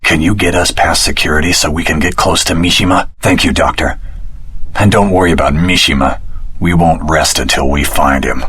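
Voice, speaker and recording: An actor playing an earnest, determined young hero in a video game, with a dramatic, heroic delivery. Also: male voice, a bass voice, steady tone, normal speed, fairly bright tone, breathy edge, full character voice. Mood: earnest, persuasive.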